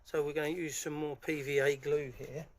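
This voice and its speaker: A man's voice: fairly high pitch, little pitch movement, moderate pace. A man presenting a hands-on DIY tutorial in an informal way, talking as he works. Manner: informal, talking while working. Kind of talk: casual hands-on tutorial narration. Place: outdoors in a garden for part of it. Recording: noisy, clicks and handling sounds.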